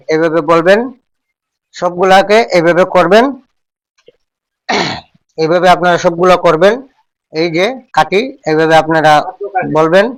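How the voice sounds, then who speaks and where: A man with a high voice and a narrow, flat melody teaches a folk-healing ritual step by step. He goes back over each instruction again and again as he demonstrates. His voice sounds a little distant from the microphone.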